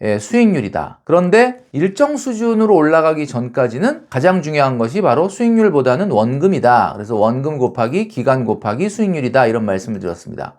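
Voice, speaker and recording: A middle-aged man hosting a personal finance channel, giving a measured, scripted lecture that moves step by step with frequent markers like "so, now". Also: mid-range voice, a little mellow. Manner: measured explainer, frequent "자" to mark steps.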